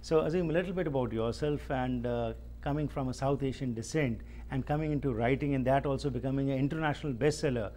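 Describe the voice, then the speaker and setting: A man hosting his own talk show, who introduces guests and asks long questions in a formal, measured way. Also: mid-range voice, mellow, slight background noise.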